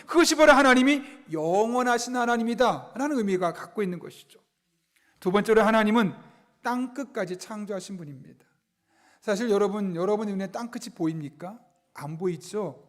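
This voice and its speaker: A male pastor with a very high voice preaches a Sunday sermon in a church sanctuary. He keeps putting rhetorical questions to the congregation and leads them through a unison scripture reading.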